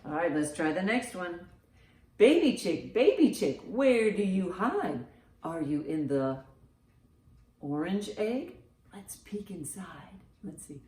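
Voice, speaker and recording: A woman with a slightly low voice leads a children's storytime. She takes her time and speaks in an encouraging, sing-song way. The room adds noticeable echo. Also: big pitch swings, slow, a little mellow. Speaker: children's librarian, storytime host. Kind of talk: children's storytime read-aloud and rhymes. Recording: roomy, echoing sound.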